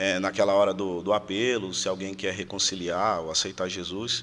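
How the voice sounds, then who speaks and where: This man has a fairly low pitch and a normal speaking voice. He talks at a moderate pace. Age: 30s. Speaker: former amateur footballer. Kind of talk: casual testimony.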